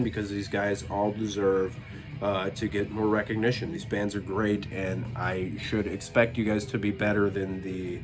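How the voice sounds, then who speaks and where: A man casually reviewing albums from his collection, relaxed and rambling with plenty of fillers. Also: on the low side. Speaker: metal collection vlogger.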